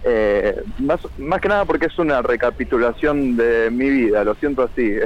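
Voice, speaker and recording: A man's voice amid noticeable background noise. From Argentina, General Rodríguez (Buenos Aires province). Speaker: independent musician. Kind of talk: radio interview.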